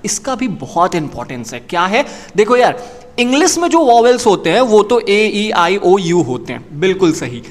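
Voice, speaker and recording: A man teaching a beginners' lesson in a chatty classroom manner, often asking the listener rhetorical questions. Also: high-pitched. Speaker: English teacher. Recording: long reverb, echoey room.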